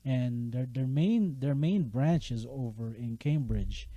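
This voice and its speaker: A man from the Philippines, a game app developer, telling his story as a podcast guest in a relaxed, casual way. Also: mid-range voice, takes it slowly, dry recording, lo-fi sound. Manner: relaxed storyteller, casual slang, laughs easily. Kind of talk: casual interview chat.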